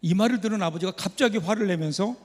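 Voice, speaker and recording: A male pastor with a fairly high voice delivers a sermon, telling a story and asking the congregation questions. His voice rings with the long reverb of a church sanctuary. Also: quick pace.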